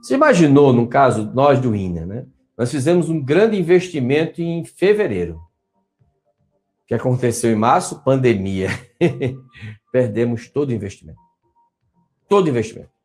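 A man's voice: mid-range voice, moderate pace, long pauses, faint music behind. A man with a Brazilian Portuguese accent, giving a motivational talk as a coach and coaxing his audience to answer. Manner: animated, coaxing, asks listeners to answer.

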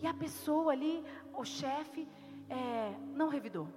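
A woman preacher delivering a sermon in an earnest manner, slowing down to stress single words. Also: sits high, expressive, in a large hall, music in the background. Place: church.

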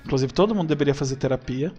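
A young Brazilian man chatting as a podcast guest, animated and acting out bits of dialogue. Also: mid-range voice, racing, slightly rough, highs cut off, soft background music. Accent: Brazilian Portuguese. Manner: animated, acts out quoted dialogue. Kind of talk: casual chat.

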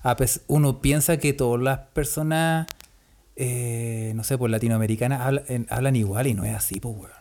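A man's voice: mid-range voice, moderate pace, darkish tone. Playful Chilean man co-hosting a podcast. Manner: playful, teasing, slangy. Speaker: podcast co-host. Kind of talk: casual podcast chat.

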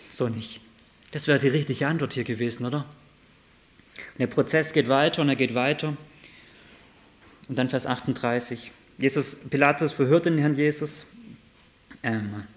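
A man with a mid-range voice preaches a sermon, reading Bible verses aloud and posing lively rhetorical questions as he swings between loud and soft passages.

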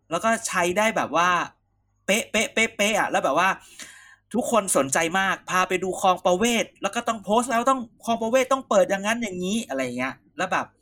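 High bright-voiced guy teasing his cohost, slangy chat. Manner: teasing, rough slangy banter. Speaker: co-host. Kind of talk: casual political chat.

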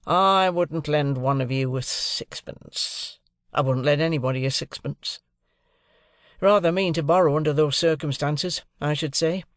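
A man voicing a sulky, surly young man who talks in a slow, growling drawl. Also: fairly high pitch, dry recording, studio quality, pitched above the performer's own voice, lightly acted. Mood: scornful.

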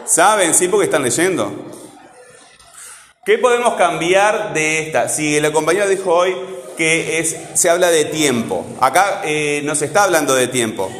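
Man, teacher, slightly high voice, repeats questions, echoey classroom. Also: animated, moderate pace, fairly bright tone. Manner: repeats questions, prompts students. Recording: echoey hall, faint background noise.

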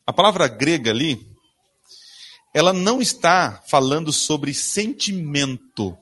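A man's voice: fairly high pitch, big pitch swings, unhurried, fairly bright tone. A man preaching a sermon, reading Bible verses aloud and questioning his congregation in a church. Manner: asks the congregation questions and answers them himself.

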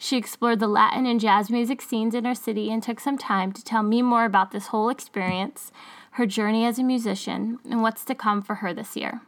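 Woman podcast host, slightly high voice, reading her scripted intro. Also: fairly even intonation, fairly quick.

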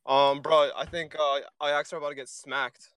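A man's voice: on the high side, flat delivery, normal speed, fairly bright tone, clean tone. A man, chatting casually about football in slang.

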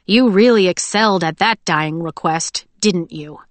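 A woman's voice: on the low side, measured pace, no room sound, natural voice. A woman voicing a defiant, sarcastic teenage cyborg girl with a biting tongue. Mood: sarcastic, furious.

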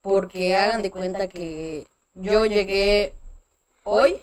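A young Mexican woman with a Mexican accent, telling personal stories in a casual chat, full of fillers and animated asides. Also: mid-range voice, slow pace. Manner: chatty, animated, many fillers like "este". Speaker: guest.

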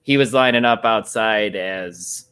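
A man's voice: on the low side, unhurried, a bit bright, clean tone. A man co-hosting a casual sports podcast, blunt and profane, often laughing at the others. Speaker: co-host.

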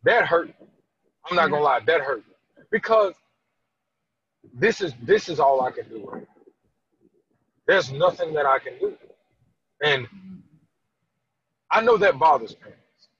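A man's voice: a little high, a little slow, pauses often, fairly bright tone, husky, dull audio. A man talking candidly about raising his autistic son, earnest and emphatic, often stammering and restarting. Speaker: guest, father of an autistic son. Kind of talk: candid conversational interview.

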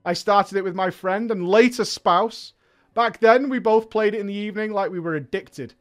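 A man with a high voice hosts a livestream and reads viewers' letters aloud. He talks in a loud, hyped way, swears freely and drifts into rambling asides, with faint music underneath. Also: moderate pace. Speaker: streamer and show host.

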